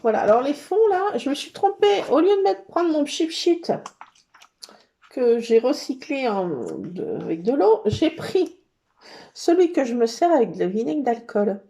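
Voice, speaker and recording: A middle-aged woman chatting casually as she shows her scrapbooking work and supplies, rambling and pausing often. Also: high-pitched, very animated, mellow. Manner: chatty, rambling, full of hesitations. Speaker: scrapbooking vlogger. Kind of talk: casual show-and-tell chat.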